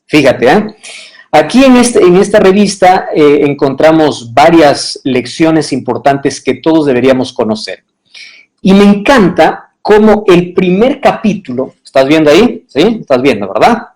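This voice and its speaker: Animated pastor livestreaming to viewers. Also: male voice, a little high, rough recording. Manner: animated, addresses viewer directly with frequent checks; spells out web address and numbers slowly.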